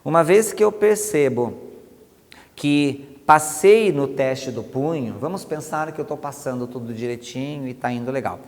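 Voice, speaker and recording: A man with a Brazilian Portuguese accent teaches a hypnosis technique at an everyday pitch. Now and then he drops into slow, soothing demonstration commands. His voice carries a long reverb, like a large hall. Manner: explains step by step, acts out slow soothing induction commands. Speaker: hypnosis instructor.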